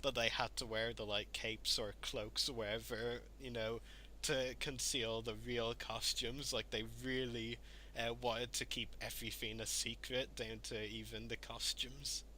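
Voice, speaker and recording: A man hosting a podcast interview, relaxed, asking long questions padded with fillers. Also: mid-range voice, unhurried, a little hiss or hum, rough recording. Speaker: podcast host. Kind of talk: casual interview.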